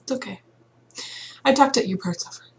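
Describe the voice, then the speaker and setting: A woman's voice: fairly high pitch, brisk, noisy background. A woman co-hosting a game playthrough with casual, joking, teasing commentary. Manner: playful, teasing.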